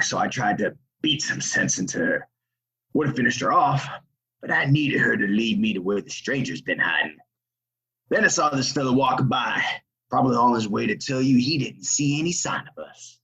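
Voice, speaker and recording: A man's voice: mid-range voice, bright, forceful tone, low-quality recording. A man playing a menacing, vengeful outlaw colonel in a Western audio play, with folksy threatening frontier talk. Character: ruthless, menacing Old West outlaw colonel, commanding and vengeful. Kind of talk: Western audio drama acting.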